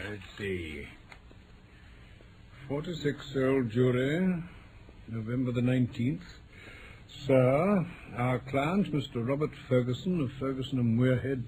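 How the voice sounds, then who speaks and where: A genial English gentleman played by a male actor tells detective tales in an old radio play. He is a little hesitant and flustered, with a medium-pitched voice. The old recording carries a light layer of noise. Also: close to an everyday voice, low-quality recording. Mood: puzzled. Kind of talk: vintage radio drama acting and narration.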